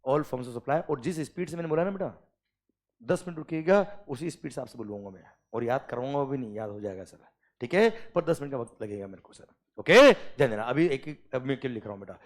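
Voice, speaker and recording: Animated Indian male classroom lecturer. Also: medium pitch. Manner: dictates slowly word by word, then explains quickly; checks understanding often, calls students "beta" and "sir". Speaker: teacher.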